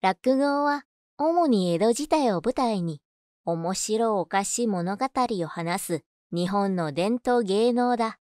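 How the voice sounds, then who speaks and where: A woman's voice: medium pitch, animated, takes it slowly, a little mellow, no room sound, clean studio sound. A woman reading scripted narration as a voice-over artist. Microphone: studio condenser microphone on boom arm.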